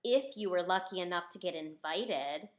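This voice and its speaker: A woman's voice: lowish voice, normal speed, voice pushed down, close to an everyday voice. Woman voicing a smug, boastful schoolgirl. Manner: smug, announcing loudly. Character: boastful, excluding middle-school girl on the bus. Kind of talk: children's picture book character voice.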